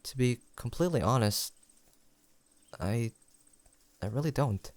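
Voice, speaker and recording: A young man acting an affectionate, teasing best friend in an intimate audio roleplay, chatting in a gentle, playful and sincere way. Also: mid-range voice, expressive, unhurried, no echo, close to an everyday voice. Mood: wistful, hesitant. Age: young adult.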